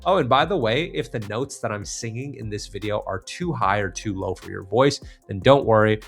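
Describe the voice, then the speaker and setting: A man's voice: lowish voice, moderate pace, gravelly, faint music behind. A man working as a vocal coach, giving step-by-step tutorial instruction and speaking directly to the viewer. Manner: demonstrates exercises step by step, direct address.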